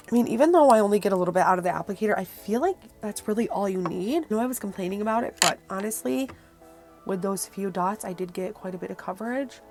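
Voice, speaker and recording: A woman speaks at an average pitch in a casual, chatty beauty-review style. Her voice is a little worn from being sick, and soft music plays behind her. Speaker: beauty vlogger. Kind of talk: casual product review chat to viewers.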